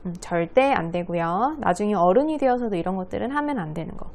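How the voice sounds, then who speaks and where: A woman speech coach explains public speaking to young schoolchildren in a patient, friendly way. Her voice sits at an ordinary middle pitch for a woman. She talks while writing on a board. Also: animated, fast, darkish tone. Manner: friendly, patient teacher voice addressing children. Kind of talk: lesson for schoolchildren.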